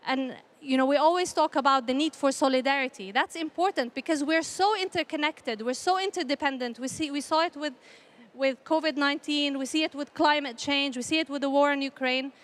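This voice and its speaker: A woman from Palestine giving earnest, measured panel remarks in a formal style, often repeating phrases for emphasis. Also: high-pitched. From Palestinian, grew up in a conflict country. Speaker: panel speaker, peace initiative representative.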